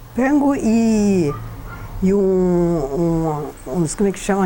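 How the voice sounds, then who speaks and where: The woman speaks at a very slow pace, with a medium pitch and ordinary pitch variation. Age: 80s+. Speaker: retired schoolteacher. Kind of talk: family testimony. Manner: halting, with repetitions.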